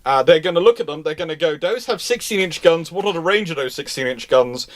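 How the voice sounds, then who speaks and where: Guy with a slightly high voice hosting a casual livestream, keeps interrupting himself and wandering off. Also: expressive, fast. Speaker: host of a naval history live stream. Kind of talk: casual live chat answering audience questions.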